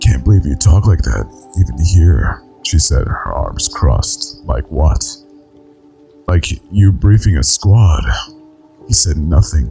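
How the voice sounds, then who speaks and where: Music plays behind a man with a very deep, low pitch. He talks at a fairly slow pace with lively intonation and long, frequent pauses. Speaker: narrator. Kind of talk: story narration.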